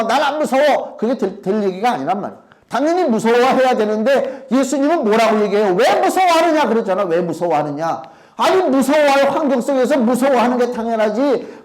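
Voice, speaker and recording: Man preaching, high voice, chatty and emphatic, throws questions at the crowd. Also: a little mellow. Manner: emphatic, conversational preaching with rhetorical questions and acted-out quotes. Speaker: pastor. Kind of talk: sermon.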